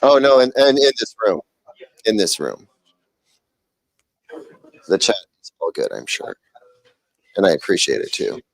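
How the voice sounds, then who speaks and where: Brief: low-voiced man, wry and self-mocking, casual panel banter, dry close mic. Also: huge pitch swings, measured pace, vocal fry, pauses often, no echo, low-quality recording. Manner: wry, joking, self-deprecating. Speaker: TV shootout panelist. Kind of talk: casual livestream chat. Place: TV viewing room.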